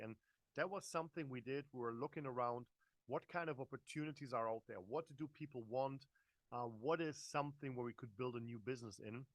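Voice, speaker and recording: A network marketing presenter, a German-accented man in his forties, gives a live online business talk in a mid-range, fairly bright voice. He speaks casually and hesitantly, addressing listeners directly and stumbling through lots of fillers and restarts. The sound is dry, with no room echo.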